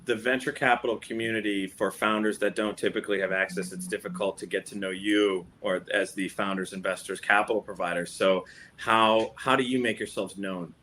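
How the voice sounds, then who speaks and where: A man moderating an investor panel over a video call, putting questions to the panel in a relaxed, chatty way. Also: on the low side, a little fast, a little hiss or hum. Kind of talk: panel discussion.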